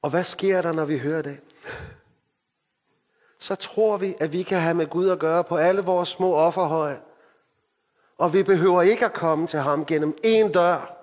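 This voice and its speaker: A man from Denmark preaching a sermon, moving between emphatic lines and hushed, solemn ones. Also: fairly high pitch. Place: mission hall. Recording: hall reverb.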